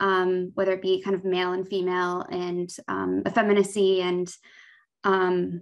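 A woman talks with a quiet background behind her. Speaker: graduate student in linguistic anthropology. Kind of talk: Q&A question. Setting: video call. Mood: engaged, thoughtful. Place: home room. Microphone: webcam.

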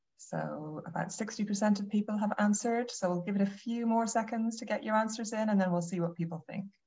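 Fairly quick delivery with hardly any pauses and fairly even intonation. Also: woman, medium pitch for a woman. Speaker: conference session chair. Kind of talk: event moderation. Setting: video call. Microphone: webcam.

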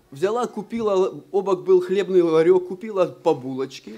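A man's high-pitched voice with ordinary pitch variation and music in the background. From Ukraine, village. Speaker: visiting preacher. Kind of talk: testimony. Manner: halting, in short phrases for interpreter.

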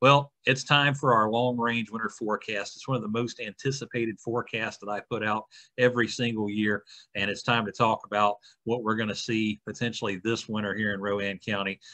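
A man speaks at a fairly quick pace with a bright, sharp tone and fairly even intonation against a quiet background. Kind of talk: forecast presentation. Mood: friendly, light. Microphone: webcam.

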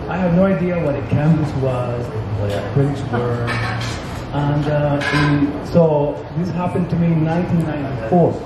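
Loud background noise surrounds a man's voice. The room echo is audible. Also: fairly slow pace. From Cuba. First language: Spanish. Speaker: abstract painter. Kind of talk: panel discussion. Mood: reflective, candid. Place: hall.

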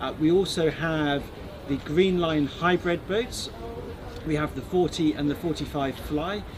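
Over noticeable background noise, a man talks at a fairly slow pace with fairly even intonation. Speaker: yacht sales representative. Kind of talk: interview answer. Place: boat.

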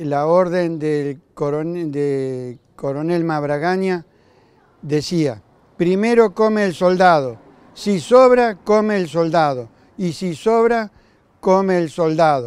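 Speaking at a very slow pace, a man with a high pitch and lively intonation comes through in a dry sound with no echo. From Argentina. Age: 70s. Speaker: army doctor, war veteran. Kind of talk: interview testimony. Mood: solemn, recalling wartime memories. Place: street. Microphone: handheld.

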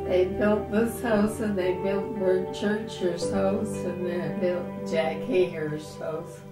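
A woman at a very slow pace, with clear music in the background. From Galt, Ontario, Canada. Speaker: interviewee sharing life memories. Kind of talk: interview answer. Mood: warm, amused reminiscing. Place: home room.

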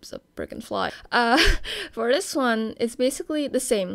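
The speaker mumbles at a moderate pace. The recording is very clean, with a silent background. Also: woman. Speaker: animator. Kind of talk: tutorial voice-over. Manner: mumbling, hesitant with pauses.

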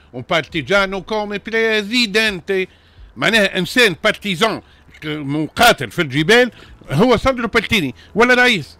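This man raises and projects his high-pitched voice, with a bright, sharp tone and lively intonation. The sound is dry, with no echo. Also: moderate pace. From Tunisia. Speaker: radio commentator. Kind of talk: casual chat. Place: studio. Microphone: studio mic.

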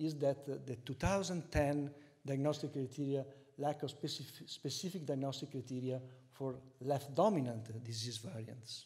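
Against a quiet background, a somewhat breathy voice moves at a moderate pace with ordinary pitch variation. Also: man. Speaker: conference speaker. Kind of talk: lecture. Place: hall. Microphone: podium.

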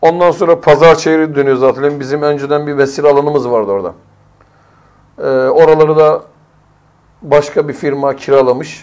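Over a quiet background, a man with a fairly high pitch and fairly even intonation speaks at a fairly quick pace, with long, frequent pauses. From Turkey, Kartepe, Kocaeli; Turkey. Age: 40s. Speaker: village headman and association president; talk show guest. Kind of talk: interview. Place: studio. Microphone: lapel.

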